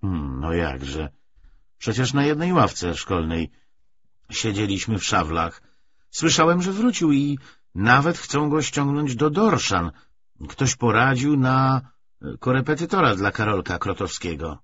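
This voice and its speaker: A man's voice: mid-range voice, sing-song, measured pace, fairly bright tone, lo-fi sound, slight background noise, pitched above the performer's own voice. A man voicing an eager, curious young man with a questioning, earnest manner in an audiobook. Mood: chatty. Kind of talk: acted audiobook dialogue.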